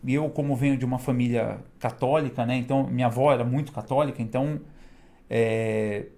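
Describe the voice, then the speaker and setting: A man, a guest telling stories in a casual, animated way and laughing between them. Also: medium pitch, a little fast, vocal fry. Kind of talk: casual storytelling.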